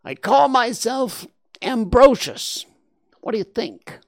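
A man voicing a gentle, lonely male warthog in a story, with a nasal voice that sounds full of saliva. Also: extremely high pitch, big pitch swings, slow pace, no echo, studio quality, voice pushed up, full character voice. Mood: friendly. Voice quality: nasal, slobbery.

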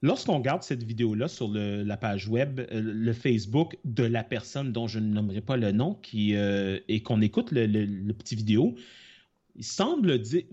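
A man's voice: lowish voice, lively intonation, moderate pace, warm tone. A man co-hosting a podcast, explaining things in a rambling way with many fillers and self-corrections. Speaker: podcast co-host. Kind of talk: casual chat. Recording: dull lo-fi sound.

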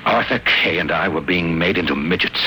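An actor playing a haunted captive, gravely and dramatically recounting his nightmare in a 1950s radio drama. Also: low-pitched, moderate pace, bright, forceful tone, a little hiss or hum. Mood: horrified recollection. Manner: grave, dramatic first-person storytelling. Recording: vintage 1950 radio broadcast.

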